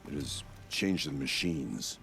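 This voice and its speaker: A man playing a proud, guarded tribal chieftain in a video game, speaking in a measured, formal way. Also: very deep voice, sing-song, gravelly, a bit bright, faint music behind, exaggerated voice. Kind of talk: video game dialogue acting.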